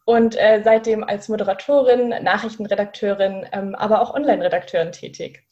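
A woman of twenty co-hosting a podcast in relaxed casual chat, with frequent fillers. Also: mid-range voice, brisk, lo-fi sound. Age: 20s. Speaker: podcast co-host.

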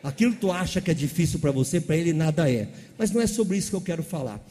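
A man's voice: on the high side, expressive, fast, warm tone, big-room sound. A man preaching a sermon, calling out questions to the congregation. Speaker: pastor.

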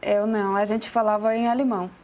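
A woman's voice: medium pitch, level tone, fast talker, a little mellow. A woman from Russia's Ural Mountains with a Russian accent, answering interview questions in a second language and searching for words as she goes. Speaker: talk show guest, fashion designer. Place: TV studio.

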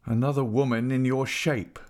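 A man's voice: mid-range voice, fairly even intonation, moderate pace, darkish tone, voice pushed up, close to an everyday voice. Male reader as young husband, dazed, grave, coldly rejecting, incredulous, literary audiobook drama. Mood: cold rejection. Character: stunned, rigid young husband, coldly rejecting his wife. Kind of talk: dramatic audiobook character reading.

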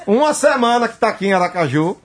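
Animated high-voiced man. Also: fast, husky, faint music behind. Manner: animated, acts out quoted voices. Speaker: singer's manager. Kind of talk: casual interview storytelling.

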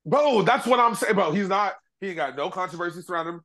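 A man's voice: high-pitched, expressive, quick pace, pushed and bright. A man with an African American accent in casual, slangy and profane sports banter, speaking emphatically as a podcast co-host.

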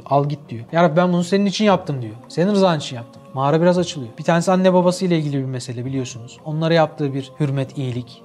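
Fast-talking animated male preacher. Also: a little high. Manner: animated storytelling, rhetorical questions. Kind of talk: religious talk.

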